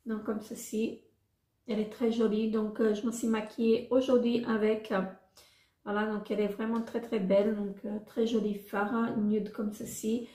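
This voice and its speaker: A woman vlogger casually showing her makeup products, halting often with fillers and restarts. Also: mid-range voice, little pitch movement, dark tone, reverberant. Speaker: beauty vlogger.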